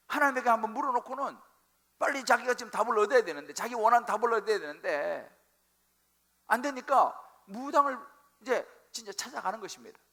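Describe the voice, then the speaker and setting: A male pastor preaching a sermon, telling the story with animated, acted-out quotes. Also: high voice. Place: church sanctuary.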